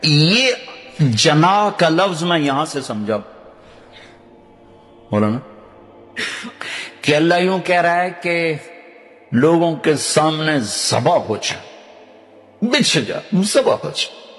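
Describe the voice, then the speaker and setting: An older man from Pakistan with a Punjabi accent, preaching a sermon and telling stories, dropping low to recite Arabic verses. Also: animated, pauses often, fairly bright tone, in a large hall. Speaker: Islamic preacher.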